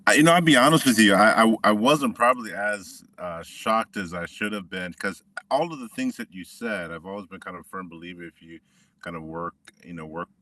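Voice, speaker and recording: A middle-aged man from Washington State, a former football player telling his story in a relaxed, reflective way with many restarts. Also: on the low side, a little fast, recorded from a distance. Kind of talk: conversational interview.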